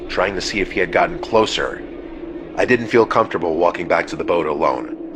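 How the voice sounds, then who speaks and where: A man reading a first-person horror story as scripted narration, in a measured, somber way that slows and drops low at the ends of phrases. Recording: steady ambient noise bed under the voice.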